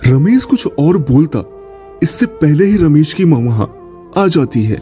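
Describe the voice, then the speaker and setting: A man narrates a cartoon moral story in a mellow, slightly high voice. His delivery stays even and steady. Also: unhurried, faint music behind.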